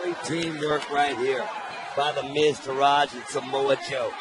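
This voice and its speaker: A man's voice: mid-range voice, flat delivery, measured pace, a crowd in the background. A man doing informal colour commentary on live wrestling, with punchy, appreciative interjections. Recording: clear arena noise behind.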